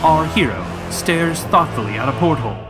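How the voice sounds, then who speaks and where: A bombastic male announcer played by an actor for an old-time radio space serial. His voice sits on the high side, grand and theatrical, over clear music. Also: animated, moderate pace, close to an everyday voice. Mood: dramatic, suspenseful. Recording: music behind the voice.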